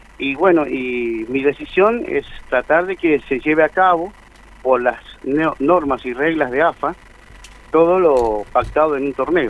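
A man speaks at a fairly high pitch with ordinary pitch variation, and noticeable background noise is present. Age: 60s. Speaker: football club delegate. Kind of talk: interview.

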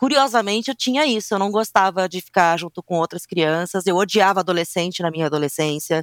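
Here a woman with an unremarkable speaking voice talks at a fairly quick pace in a medium pitch, with hardly any pauses. Her intonation is lively, and the sound is dry and close with no echo. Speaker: podcast co-host. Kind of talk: casual chat.

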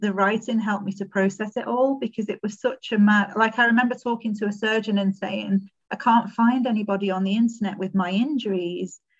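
A woman speaks at a fairly quick pace with a fairly high, somewhat breathy voice. Her intonation stays fairly even. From northern England (Warrington). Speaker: poet. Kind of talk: casual interview chat.

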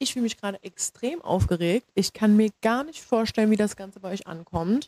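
A woman's fairly high voice has a dark, mellow tone, ordinary pitch variation and a moderate pace, in a dry, close sound with no echo. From Germany, Palatinate (near Ludwigshafen). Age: 20s. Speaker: podcaster and TikTok creator. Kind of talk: casual monologue.

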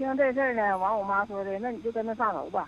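A woman speaks in a Northeastern Chinese accent. Her pitch variation is ordinary. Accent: Northeastern Mandarin. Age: 50s. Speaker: radio call-in listener. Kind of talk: phone-in advice call. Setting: phone call. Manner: halting, many repetitions.

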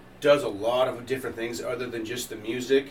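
Over noticeable background noise, a man talks fairly quickly at a medium pitch in monotone, flat intonation. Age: 50s. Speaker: podcast co-host. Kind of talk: casual chat.

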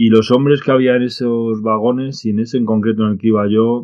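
A man's medium-pitched voice at a fairly slow pace, in a monotone, flat intonation. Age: 50s. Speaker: author and speaker on fear. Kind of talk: interview conversation. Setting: video call.

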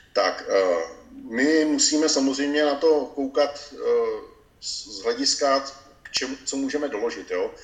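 Noticeable background noise sits behind a man speaking at a fairly slow pace. He takes long, frequent pauses, and his loudness swings widely. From Czechia, Česká Lípa. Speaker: amateur military historian. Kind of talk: interview. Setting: remote recording.

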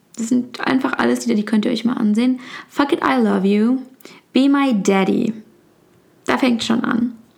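Amid noticeable background noise, a woman with a fairly high pitch and ordinary pitch variation speaks at a moderate pace, leaving long, frequent pauses. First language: Turkish (speaking German). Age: 20s. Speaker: podcast host. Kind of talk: solo podcast monologue. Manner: hesitant, many filler sounds.

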